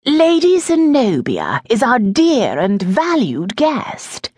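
A woman's voice: on the high side, wildly swooping pitch, a little mellow, slight background noise, voice pushed up, heavily acted. A woman playing an arch, cutting aristocratic mother. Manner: arch, sarcastic, measured delivery. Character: haughty aristocratic older mother, cutting and dry.

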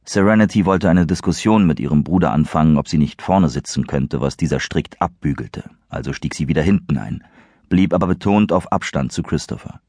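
Deep, husky male audiobook narrator. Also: animated, a little fast, a little mellow, no room sound, clean studio sound. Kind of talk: scripted narration.

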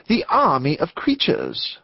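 Excitable, truculent clergyman for audiobook, played by a man: high, husky, nervously emphatic. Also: measured pace, no echo, dull audio, heavily acted. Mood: excited, urgent. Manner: hesitant, emphatic, agitated. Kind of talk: audiobook character acting.

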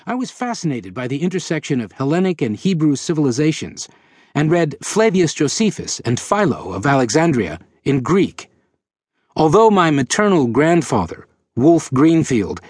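Lively male audiobook narrator, dry studio. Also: on the high side, dry recording. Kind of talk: scripted memoir narration.

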